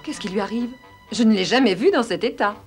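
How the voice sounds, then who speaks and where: An actress playing a sarcastic, snippy young girl in a French cartoon dub, dry and quick to scold. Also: mid-range voice, faint music behind, natural voice.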